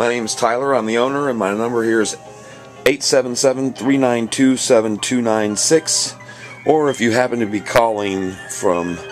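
Faint music plays behind a man speaking at a fairly slow pace. His pitch varies in an ordinary way. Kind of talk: casual guided tour narration. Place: shop. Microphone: phone near.

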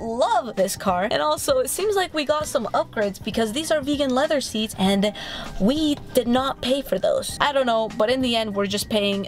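Faint music plays behind a woman speaking at a high pitch and moderate pace. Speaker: vlogger. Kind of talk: casual vlog chat. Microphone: phone near.

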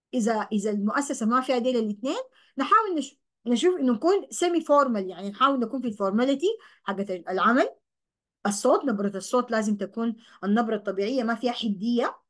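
With lively intonation, a woman speaks at a fairly quick pace in a quiet setting. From Sudan. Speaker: bank manager and customer service trainer; customer service trainer. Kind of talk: lecture. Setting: video call. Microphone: webcam.

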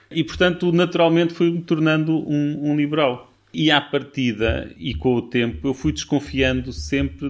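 A man at a moderate pace with hardly any pauses, against a quiet background. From Portugal, Coimbra; Portugal. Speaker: economics professor. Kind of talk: casual interview. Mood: relaxed, friendly. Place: studio. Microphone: studio mic.

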